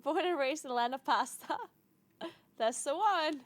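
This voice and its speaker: A woman's voice: high-pitched, a little slow, no echo. A woman streamer from Italy whose first language is German, chatting casually with viewers, playful and teasing with frequent laughs.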